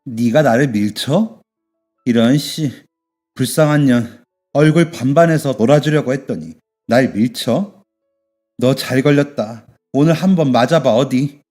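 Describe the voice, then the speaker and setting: A man's voice: medium pitch, unhurried, a little mellow, soft background music, natural voice. A man voicing a drunk, violent male thug who threatens and sneers in a radio story. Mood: menacing.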